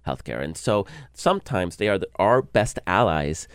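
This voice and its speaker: A man's voice: sits low, big pitch swings, normal speed, smooth, no echo, studio quality. A man from El Salvador, a guest and political blogger, talking earnestly in a casual political discussion, often restarting and repeating words.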